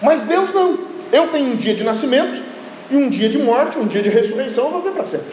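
A man with an extremely high pitch speaks at a moderate pace in an animated tone with very wide pitch swings. Audible room echo and noticeable background noise are present. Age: 40s. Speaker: pastor. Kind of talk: sermon.

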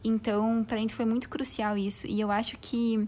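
This woman's voice is somewhat breathy and fairly high in pitch. She keeps a moderate pace with monotone, flat intonation. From southern Brazil, Paraná (Mandirituba). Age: 20s. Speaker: medical resident. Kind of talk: casual chat.

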